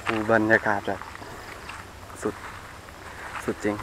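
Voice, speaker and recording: Hushed young Thai man filming at dusk. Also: slow pace. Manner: hushed, uneasy, talking to viewers while searching. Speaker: vlogger exploring abandoned sites. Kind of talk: casual on-the-spot vlog talk. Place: outdoors in a rural forest clearing at dusk. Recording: outdoor camera audio with insect noise. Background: crickets and insects.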